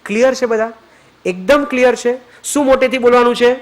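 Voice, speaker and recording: A man leading a retreat group through a forgiveness ritual, mixing English phrases into his talk, checking again and again that everyone is clear, and going soft and low when he leads prayer. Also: a little fast. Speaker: spiritual teacher leading a retreat.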